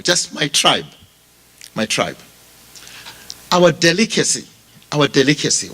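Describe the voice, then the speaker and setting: A man with a Zimbabwean accent preaching a sermon as a pastor, speaking deliberately and repeating phrases for emphasis as he addresses his listeners directly. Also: a little high, a bit bright. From Bulawayo, Zimbabwe. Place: funeral service before a congregation.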